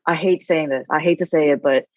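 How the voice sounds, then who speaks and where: A woman's voice: deep voice, normal speed, no room sound, dull audio. A woman from South Korea, a guest on a podcast, telling her story in a chatty way with many fillers.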